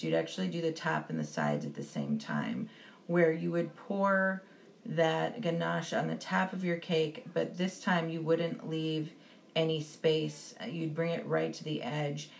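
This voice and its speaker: A woman giving a relaxed, step-by-step baking lesson as a voice-over, with frequent ums. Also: low-pitched, gravelly, slight background noise. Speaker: baking instructor. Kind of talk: instructional voice-over.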